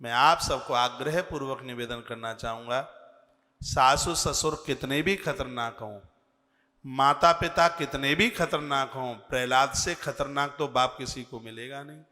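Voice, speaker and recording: Male preacher, devotional sermon, earnest, chants scripture verses, bright forceful tone, long hall reverb. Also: mid-range voice, a little slow. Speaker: religious preacher.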